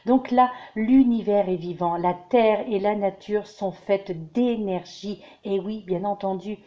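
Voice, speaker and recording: A woman giving a tarot reading for the week, talking to viewers as dear friends, halting, with many fillers and restarts. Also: medium pitch, steady tone, highs cut off. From France. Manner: addresses listeners warmly as dear friends. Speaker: tarot reader giving weekly guidance. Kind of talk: casual spiritual monologue to viewers.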